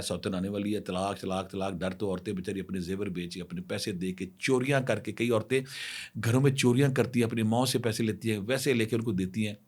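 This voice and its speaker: A man's voice: lowish voice, breathy edge. A middle-aged man from Pakistan, a spiritual healer telling anecdotes and giving emphatic marriage advice straight to women viewers. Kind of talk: storytelling advice talk.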